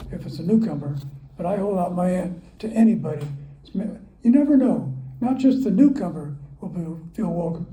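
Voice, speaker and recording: A man's voice: high voice, mellow, roomy sound, slight background noise, rough recording. An older man at a recovery meeting, telling his story in a folksy, self-mocking way. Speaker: AA speaker. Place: club meeting room.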